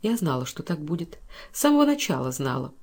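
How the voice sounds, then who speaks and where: A woman's voice: on the high side, animated, quick pace, pitched above the performer's own voice. A woman voicing Ellen, a furious wounded wife. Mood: hollow.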